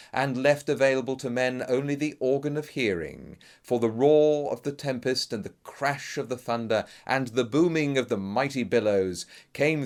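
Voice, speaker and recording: Man giving a melodramatic Gothic reading. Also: medium pitch. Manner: theatrical, grave, suspenseful delivery. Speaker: narrator of a classic Gothic novel. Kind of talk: melodramatic dramatic audiobook reading. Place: recording studio.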